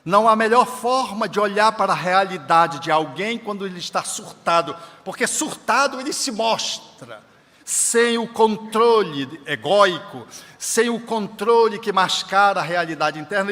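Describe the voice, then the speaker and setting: A man's voice: high voice, expressive, normal speed, sharp tone, big-room sound. A man giving an emphatic spiritist lecture at an event, in a preacherly way that quotes scripture. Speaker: spiritist speaker. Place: large event hall.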